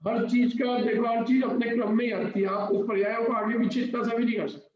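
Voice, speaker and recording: Middle-aged male teacher, fairly high voice, echoey lo-fi room sound, walks the class through it. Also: level tone, a little fast, darkish tone, faint music behind. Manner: explains step by step, asks the class questions. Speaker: Jain scripture teacher. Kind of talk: interactive scripture class. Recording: very echoey, dull lo-fi room recording.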